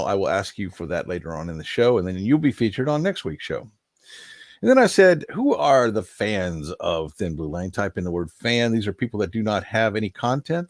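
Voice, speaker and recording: Viewer names get read out by an older live-stream host whose lowish voice is slightly nasal from allergies. He's folksy and rambling, with chuckling asides along the way. The audio is studio quality with no room sound.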